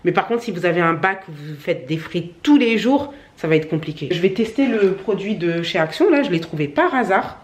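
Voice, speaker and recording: A woman's voice: fairly low pitch, animated, a little fast, hardly any pauses. A young woman vlogging at home, talking to her viewers in a chatty, upbeat, slangy way into a handheld phone. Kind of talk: casual vlog chat. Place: at home, indoors.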